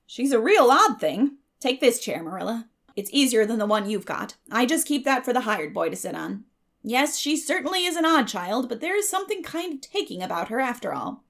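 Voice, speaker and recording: A woman voicing a blunt, opinionated middle-aged country matron, brisk, emphatic and folksy, in a dramatic audiobook reading. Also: a little high, very animated, vocal fry, fairly bright tone, heavily acted. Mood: frank, approving.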